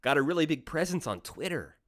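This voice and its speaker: A man's voice: fairly high pitch, big pitch swings, fairly quick. An actor playing the Devil in a radio play as a slick, teasing, cynical deal-maker with theatrical salesman patter. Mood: breezy, showy. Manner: wheedling salesman patter, mock-casual, theatrical swoops.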